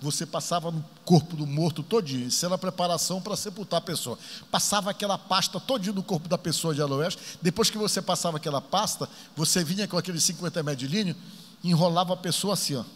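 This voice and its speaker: A pastor preaching a sermon that retells a Bible story with animated, dramatic delivery. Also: male voice, fairly high pitch, fast talker. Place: church. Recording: long church-hall reverb.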